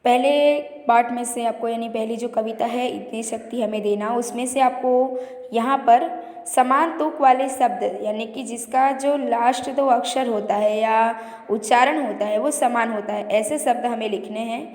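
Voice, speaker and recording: A woman's voice: a little high, moderate pace, darkish tone. A woman teacher going through a school revision lesson, explaining step by step and listing word pairs. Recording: echoey room reverb.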